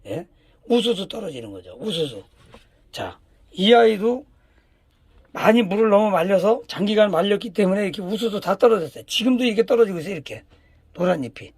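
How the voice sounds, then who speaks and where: A man's voice: high-pitched, animated, brisk, a little mellow, husky, dry recording. A man giving a casual hands-on demonstration of plant care, emphatic and repeating key words, slipping into plain informal speech. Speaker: plant grower explaining care.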